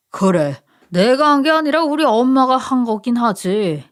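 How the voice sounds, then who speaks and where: A woman's voice: fairly high pitch, sing-song, slow pace. A woman voicing a condescending older brother who scolds and sneers in a radio story. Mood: contemptuous.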